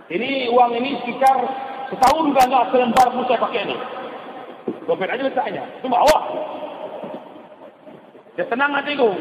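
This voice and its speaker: High-voiced folksy man preaching with an Acehnese accent, echoey muffled hall recording. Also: background noise. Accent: Acehnese Indonesian. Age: older. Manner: folksy, joking asides. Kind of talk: humorous sermon.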